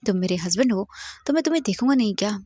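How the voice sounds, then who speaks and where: A woman's voice: mid-range voice, expressive, racing, dark tone, dry recording, natural voice. Woman narrator voicing a playful young husband, teasing and mock-hurt, dry close sound.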